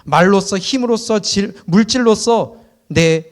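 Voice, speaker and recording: A middle-aged man with a high-set voice preaches to his congregation in a church. He presses them with question after question, rising loud and then dropping low. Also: a little slow. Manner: preaching with rhetorical questions and shifts in loudness. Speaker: pastor. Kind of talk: sermon. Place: church sanctuary.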